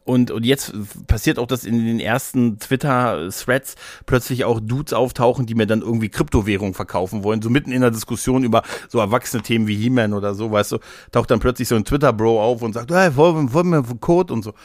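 A man's voice: mid-range voice, steady tone, fast talker, hardly any pauses, dry recording. A man chatting casually as a podcast co-host, rambling along colloquially with English slang mixed in. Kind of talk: casual chat.

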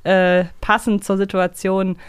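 A woman's voice: medium pitch, little pitch movement, a little slow, clean tone, no room sound, studio quality. A woman co-hosting a casual fan podcast, conversational and ready with her own opinions. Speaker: podcast co-host.

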